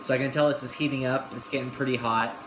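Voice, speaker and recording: A man's voice: medium pitch, fast talker. A young man in his twenties talking casually through a home cooking vlog, explaining each step as he goes. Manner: relaxed, explains steps as he goes. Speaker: vlogger. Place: kitchen at home, indoors. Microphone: camera on table. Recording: echoey room with background noise.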